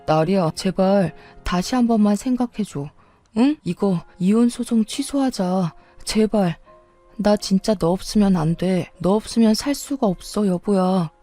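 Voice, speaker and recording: A woman's voice: mid-range voice, measured pace, dark tone, soft background music, lightly acted. A woman voicing a young husband who begs and cries in a storybook tale. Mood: pleading. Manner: tearful pleading. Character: young husband, desperate and pleading.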